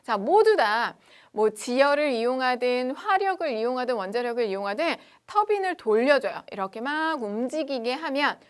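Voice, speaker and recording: A lively woman teaching science in an online lecture, her voice sitting fairly high. She chats casually and keeps asking the students whether they follow. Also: moderate pace. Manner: lively, chatty, asks students questions.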